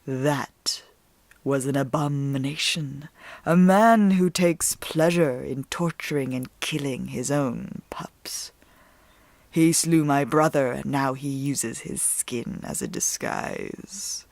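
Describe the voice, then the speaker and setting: A woman voicing a grave, courteous, vengeful male wolf in a storybook reading, with a low, growling, breathy voice and slow, solemn delivery. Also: a little mellow, no room sound, exaggerated voice. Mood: grave, bitter.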